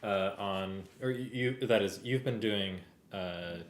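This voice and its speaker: A man's voice: fairly low pitch, takes it slowly. A man co-hosting a livestream in casual, informal conversation. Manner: informal, conversational, asking questions. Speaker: livestream co-host. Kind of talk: casual chat. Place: indoor room. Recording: roomy echo, clear background noise.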